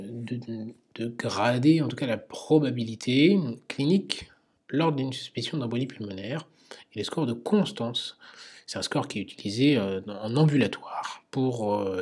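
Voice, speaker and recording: A man's voice: mid-range voice, darkish tone, slightly rough. A man teaching emergency medicine through a multiple-choice case, explaining answers with frequent hesitations. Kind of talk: quiz-style medical lecture.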